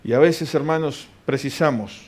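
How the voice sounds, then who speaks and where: A man's voice: a little high, moderate pace, darkish tone. A man preaching a sermon in a church, reading scripture aloud and answering his own questions.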